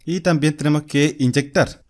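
A man's voice: a little high, moderate pace. Man teaching code step by step. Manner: steady step-by-step explaining while typing. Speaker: programming instructor. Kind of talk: screencast coding tutorial. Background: keyboard typing and clicks.

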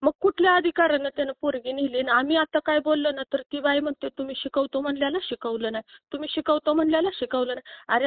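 A high-pitched woman pleads over a tinny, dry phone line, her voice thin and close with no room around it. She sounds upset, near tears, and keeps pressing her complaint with short questioning tags. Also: no room sound. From Maharashtra. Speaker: caller asking for help.

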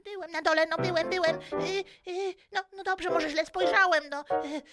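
A woman's voice: very high voice, steady tone, normal speed, over loud music. A woman playing a timid, anxious Eskimo boy who hesitates and stammers in a children's audio play. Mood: hesitant, reluctant. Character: timid, easily frightened little Eskimo boy Eurydek.

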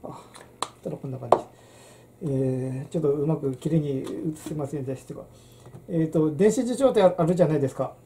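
A woman's voice: sits low, fairly quick, dark tone, a little hiss or hum. A middle-aged woman, hosting a casual handwriting lesson and rambling with many fillers and restarts. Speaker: channel host.

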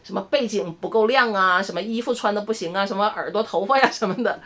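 A woman's voice: medium pitch, quick pace, fairly bright tone. A middle-aged woman from Shenyang with a Northeastern Mandarin accent, chatting animatedly to camera and telling a story. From Shenyang, northeast China. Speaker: vlogger. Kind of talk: casual chat to camera.

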